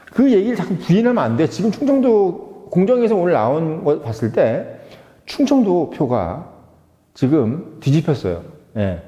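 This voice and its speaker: A man's voice: a little high, dark tone. A man giving casual political commentary, emphatic, firing off rhetorical questions and switching between polite and blunt speech. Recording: dull, roomy echoey sound with long reverb.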